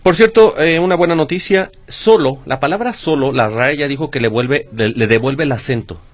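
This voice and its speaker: A man's voice: a little high, normal speed, no room sound. A man co-hosting a radio show, explaining things with dry jokes. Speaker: radio co-host. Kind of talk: casual radio banter.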